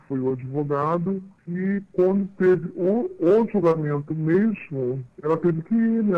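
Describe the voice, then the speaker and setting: Anonymous woman informant, voice masked by a voice changer, flat factual delivery, tinny phone-line clip. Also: sits low. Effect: voice changer distorting the voice. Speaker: anonymous caller who works at the bar association. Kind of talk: recorded statement played on a radio show.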